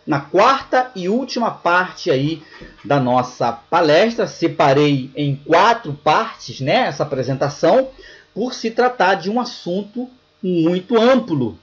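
A man's voice: high-pitched, expressive, slow, lo-fi sound. A Brazilian man with a Brazilian Portuguese accent giving a casual slide lecture, often checking in with "tá bom?" and "né". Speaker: presenter of an online lecture.

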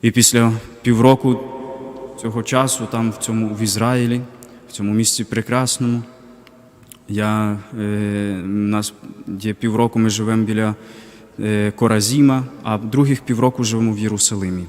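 Young guy deacon telling his faith story, lowish voice, slow halting bits, big church echo. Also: little pitch movement, a little mellow. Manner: reflective, halting, with pauses and fillers. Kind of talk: personal faith testimony. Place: cathedral parish.

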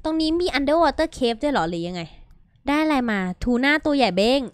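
Bright-voiced woman chatting over gameplay. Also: high voice, lively intonation, dry recording, clean studio sound. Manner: chatty and playful, talks to viewers; quick exclamations and gasps. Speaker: gaming video host. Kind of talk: casual let's-play commentary.

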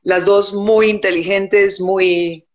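A woman, answering calmly as a guest on a live video chat from home. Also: medium pitch, takes it slowly, highs cut off. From born in the United States, raised in Colombia. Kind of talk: casual live-stream chat. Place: indoor room at home.

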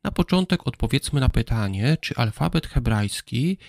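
Male presenter, gravelly mid-pitched voice, calm scripted explainer, dry close sound. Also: no echo. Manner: calm explanatory, spells out letters slowly. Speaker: presenter of a Bible history program. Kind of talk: scripted educational narration.

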